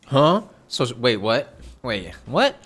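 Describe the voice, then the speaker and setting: A man's voice: mid-range voice, big pitch swings, slow, a bit bright, breathy edge. A man livestreaming a game, reacting in a casual, slangy, informal way. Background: game music behind the voice.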